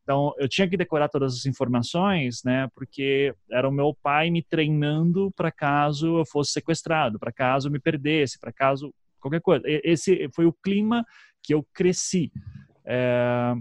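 Man, thirties, southern Brazilian accent, reflective interview talk, halting and self-interrupting, close dry sound. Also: fairly high pitch, no echo. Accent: southern Brazilian, from Paraná. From Curitiba, southern Brazil. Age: 30s. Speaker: podcast guest, storytelling podcaster. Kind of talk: conversational interview, reflective storytelling.

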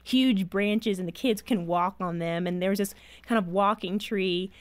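A woman's voice: mid-range voice, moderate pace, no echo. Earnest storytelling mother, dry sound. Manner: earnest storytelling, emotional at times. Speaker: guest, author and mother. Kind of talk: interview conversation.

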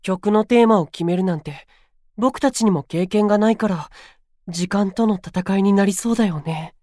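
A man playing a gentle, earnest, easily worried young idol in an anime-style audio drama, speaking softly and considerately. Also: high-pitched, normal speed, no echo, clean studio sound, natural voice.

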